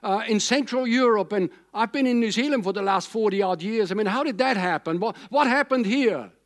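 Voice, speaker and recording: A man's voice: high voice, brisk. A man in his sixties from Austria, a German speaker, preaching a sermon in a conversational, rambling way with emphatic repetition. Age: 60s. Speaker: pastor.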